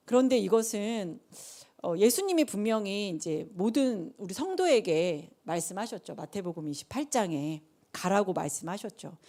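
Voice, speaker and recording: A middle-aged woman preacher giving a conversational sermon, telling the story with lively asides. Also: medium pitch.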